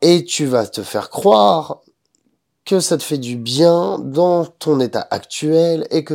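On a very clean recording with a silent background, a man talks at a fairly high pitch with ordinary pitch variation. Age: 30s. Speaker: smoker trying to quit, fruit and vegetable trader. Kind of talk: casual interview testimony. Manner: talkative.

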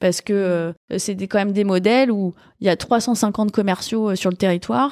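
The recording is very clean, with a silent background and a dry, close sound free of echo. A woman speaks at a moderate pace, her medium pitch showing ordinary variation. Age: 40s. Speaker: innovation consulting executive. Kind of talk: casual interview. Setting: studio, in person.

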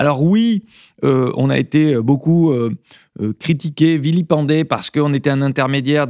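At a fairly slow pace, a man speaks with ordinary pitch variation in a dry, close sound with no echo, on a very clean recording with a silent background. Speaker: startup co-founder and CEO. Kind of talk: interview.

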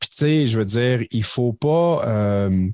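A man's medium-pitched voice in a Quebec accent, very slow paced with lively intonation, dry and close with no echo against a quiet background. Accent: Québécois French. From Quebec City, Quebec. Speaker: motivational speaker on mental health. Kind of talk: interview. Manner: animated.

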